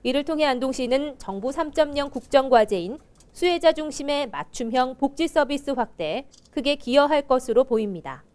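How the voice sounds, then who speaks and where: A woman narrating a news report with formal, even delivery. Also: sits high, moderate pace.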